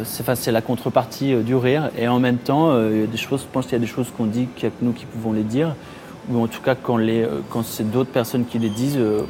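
A man's voice: mid-range voice, noisy background. Hesitant male comedian chatting. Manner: hesitant, full of pauses and restarts. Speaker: comedian guest. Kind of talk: casual conversation.

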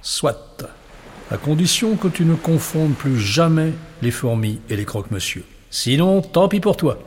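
A man's voice: a little high, expressive, unhurried, darkish tone, slight background noise, pitched above the performer's own voice. A man voicing a teasing nightmare creature. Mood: mock-menacing. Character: tiny crawling nightmare creature, playful, teasing.

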